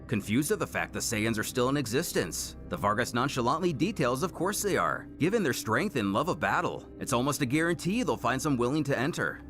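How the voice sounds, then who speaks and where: Guy narrating a story recap, voice going up and down a lot, dry little jokes, soft music under it. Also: mid-range voice. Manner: animated storytelling with wry asides. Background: faint background music.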